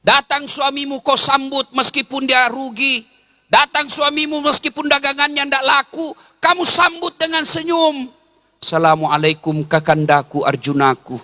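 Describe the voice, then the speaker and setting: A man's voice: extremely high pitch, steady tone, moderate pace, bright, forceful tone, big-room sound. A middle-aged male preacher, giving a joking sermon to a crowd and breaking into song.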